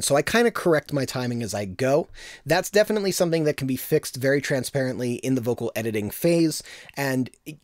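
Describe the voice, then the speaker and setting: Slightly gravelly man explaining vocal production. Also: a little high, no echo, studio quality. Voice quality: a bit of gravel in the voice. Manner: relaxed, self-deprecating explainer. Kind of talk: casual tutorial. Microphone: studio microphone.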